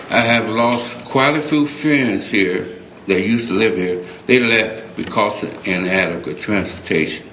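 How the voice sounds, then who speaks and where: A man speaking at a city council public comment, emotional, halting and earnest, with many restarts. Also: on the low side, fairly bright tone. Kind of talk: public comment, unscripted plea. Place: council chamber. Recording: echoey council chamber, faint noise.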